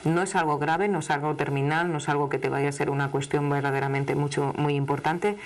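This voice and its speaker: A middle-aged woman from Asturias with an Asturian accent and a low, deep voice, doing a live studio tarot reading. She talks to the caller emphatically and familiarly, with chatty warmth in her words. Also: fairly even intonation, a little fast. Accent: Asturian Spanish. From Asturias, Spain. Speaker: television tarot reader. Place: television studio. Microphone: studio microphone, seated at desk.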